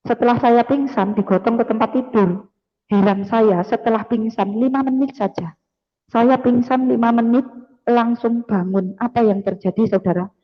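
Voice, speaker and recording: Lady giving her testimony at church, really animated, long hall echo, kinda muffled. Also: fairly high pitch. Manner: animated storytelling with sound effects, calls the audience "brothers and sisters". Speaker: testimony giver. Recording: echoey hall, dull lo-fi sound.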